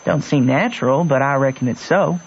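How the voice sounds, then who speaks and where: A man's voice: mid-range voice, fairly quick, a little hiss or hum, close to an everyday voice. An actor playing a wry, plain-spoken country boy who narrates his adventures in folksy dialect for a radio drama. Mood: sympathetic. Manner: folksy ungrammatical drawl, matter-of-fact. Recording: muffled old radio recording.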